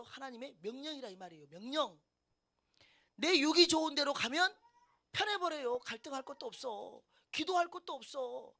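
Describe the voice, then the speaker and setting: A middle-aged woman pastor preaching a sermon, swinging between loud emphatic lines and hushed ones, and acting out the voices she quotes. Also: high-pitched. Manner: emphatic preaching with sudden loud outbursts and drops to a hush; acts out quoted voices and laughs at her own stories.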